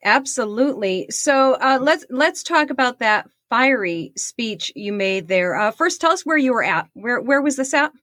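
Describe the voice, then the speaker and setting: A woman's voice: a little high, animated, moderate pace, few pauses, fairly bright tone, no echo, studio quality. A woman hosting an interview show, enthusiastic and rambling, with many fillers and restarts. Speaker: podcast host.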